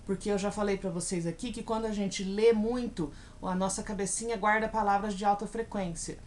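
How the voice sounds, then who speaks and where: A woman with a Brazilian Portuguese accent teaching in a recorded video lesson, slowly spelling out example words and often checking in with her students. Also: mid-range voice, steady tone, a little mellow, a little hiss or hum. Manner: checks in with frequent "tá bom?".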